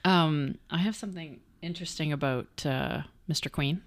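A woman co-hosting a podcast, bubbly and giggly, reacting quickly in casual chat. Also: deep voice, dry recording, studio quality. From Canada. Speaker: podcast co-host.

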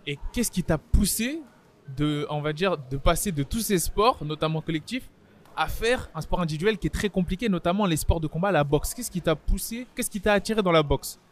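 A man's voice: sits high, expressive, a little fast. A man interviewing a fighter, asking long, rambling questions in a casual tone.

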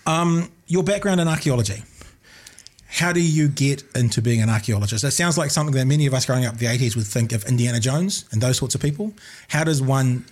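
A man's voice: medium pitch, fast. Chatty, rambling male radio host. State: slightly husky after illness. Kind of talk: casual live interview.

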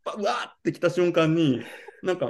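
A man's voice: high-pitched, lively intonation, fast talker, gravelly, over a noisy crowd. A man chatting casually and telling stories effusively. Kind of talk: casual chat.

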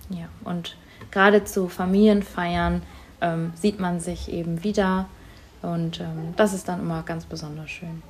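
A woman with a slightly low voice, interviewed for a school project. Her first language is Tamil. She answers calmly and thoughtfully, pausing often to find her words. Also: slight background noise. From Germany. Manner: thoughtful, many hesitations.

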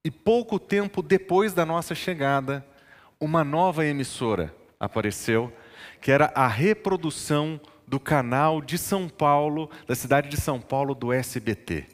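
A male pastor preaches a sermon, moving between relaxed childhood stories and emphatic teaching. His voice sits a little high for a man. The sound carries a long reverb from a large church. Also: moderate pace. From northern Brazil. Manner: storytelling, rising to emphatic preaching.

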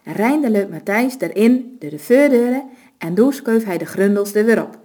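A woman with a Low reading a story aloud in a steady, even narrating voice. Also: moderate pace.

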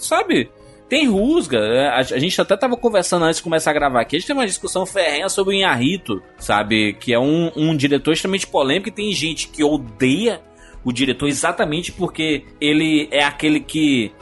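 A man with a Brazilian accent co-hosting a podcast about film, talking in an animated, opinionated way with frequent restarts. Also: on the high side, brisk, soft background music. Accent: Brazilian Portuguese. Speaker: podcast co-host. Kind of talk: casual film discussion.

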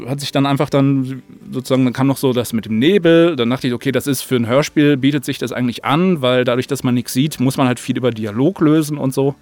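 A man's voice: medium pitch, a little mellow, no room sound. A man as an interview guest, an audio drama writer, explaining things in casual chat.

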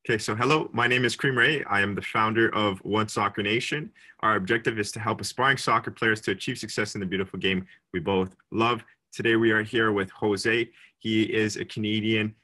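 A man's voice: fairly low pitch, steady tone, brisk, few pauses, bright, forceful tone. A man hosting a soccer interview show, introducing his guest and asking friendly questions. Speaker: podcast host, interviewer.

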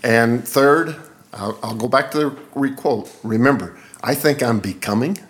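A man in his seventies talks earnestly in an interview, reflective and quick to laugh. His voice sits at a middle pitch. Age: 70s. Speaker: guest. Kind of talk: interview conversation.

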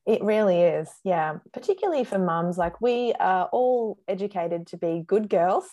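A mother, answering interview questions in an earnest, animated way with frequent "like"s. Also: medium pitch, normal speed. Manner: earnest, animated storyteller, says "like" often. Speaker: guest, mother.

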